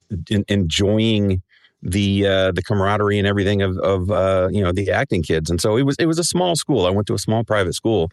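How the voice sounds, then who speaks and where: A man speaks in a Californian accent at a fairly quick pace. His pitch is fairly low. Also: ordinary pitch variation, very even loudness. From California, San Fernando Valley. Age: 50s. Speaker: voice actor and podcaster. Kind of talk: casual interview chat. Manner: halting, many fillers.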